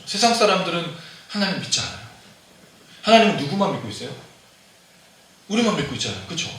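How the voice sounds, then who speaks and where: A man's voice: a little high, sharp tone. A man preaching a sermon as pastor, talking conversationally and putting frequent questions to the congregation. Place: church sanctuary. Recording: very echoey hall, mic at a distance.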